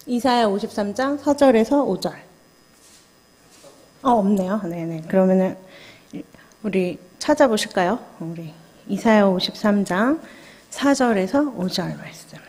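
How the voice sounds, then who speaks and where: A woman's voice: medium pitch, lively intonation, unhurried, a little mellow. Woman preaching in a reverberant church. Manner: confessional, conversational, questions the congregation. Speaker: junior pastor. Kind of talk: sermon at a Friday prayer service. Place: church sanctuary. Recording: long church hall reverb.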